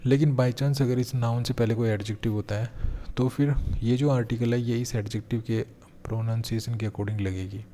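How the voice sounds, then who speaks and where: A male English teacher giving an exam-prep grammar lesson, explaining step by step and slowing down to read example sentences aloud. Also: medium pitch, fairly even intonation, mellow, slight background noise.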